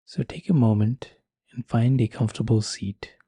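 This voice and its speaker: Calm guy doing a guided meditation, soft mellow voice, really dry close sound. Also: medium pitch, breathy edge, dry recording. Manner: calm, soothing, unhurried with long pauses. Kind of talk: guided meditation, slow scripted instruction.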